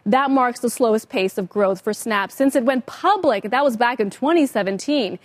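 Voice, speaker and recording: An American woman anchoring a financial broadcast, delivering rapid market news in a brisk broadcast manner. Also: fairly high pitch, lively intonation, no room sound. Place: TV news studio.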